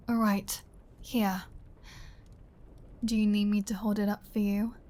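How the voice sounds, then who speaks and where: A woman's voice: mid-range voice, mellow, close to an everyday voice. A woman playing a flirty, teasing vampire with a sardonic, caring streak in an intimate ASMR roleplay, often dropping toward a whisper. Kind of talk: ASMR roleplay audio drama.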